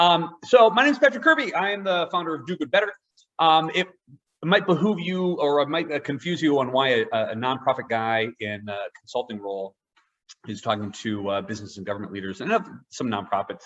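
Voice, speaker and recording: A man's fairly high voice swings very widely in pitch as he speaks at a fairly quick pace. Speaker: nonprofit fundraising consultant. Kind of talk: webinar presentation. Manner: fast; animated.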